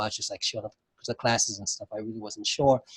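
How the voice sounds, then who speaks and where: The sound is close and dry, with no echo. There is a somewhat breathy quality to the voice. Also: man. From Caribbean, Saint Lucia. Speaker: entrepreneur. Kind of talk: interview. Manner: hesitant, many fillers and repetitions.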